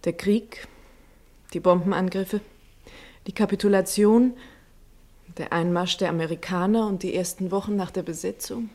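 A woman acting in a German radio play as a respectful hospital nurse, soft-spoken, hesitant and earnest. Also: mid-range voice, fairly even intonation, moderate pace, pauses often, lightly acted. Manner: hesitant, hushed.

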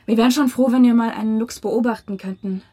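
An actress as an earnest, husky young student. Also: female voice, fairly high pitch, steady tone, fast talker, dark tone, faint music behind, close to an everyday voice. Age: young adult. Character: earnest, idealistic young female student and camp leader. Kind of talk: German audio drama acting.

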